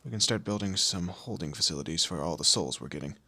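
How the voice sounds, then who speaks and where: A man playing a commanding, teasing demon lord in an audio roleplay, with a low gravelly, husky voice and an imperious, theatrical manner. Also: quick pace, bright, forceful tone, no room sound, full character voice. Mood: irritated, amused. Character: male demon lord, commanding, menacing, teasing boss of hell. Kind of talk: scripted audio roleplay addressed to the listener.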